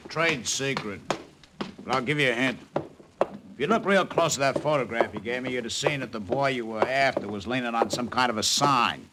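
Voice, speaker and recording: An actor playing a streetwise, slangy private detective in a 1940s radio drama. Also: male voice, mid-range voice, normal speed, natural voice. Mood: wisecracking. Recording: noisy old radio transcription.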